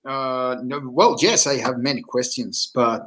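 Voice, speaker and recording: Nervous, husky co-host. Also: male voice, mid-range voice, unhurried, a bit bright. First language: Spanish. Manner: nervous, hesitant. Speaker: podcast co-host.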